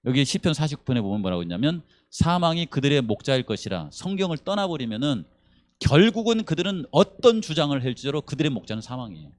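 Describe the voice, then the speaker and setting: A male pastor teaching a church Bible study in a relaxed, conversational way, often chuckling and acting out quoted lines. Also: fairly high pitch, fast talker.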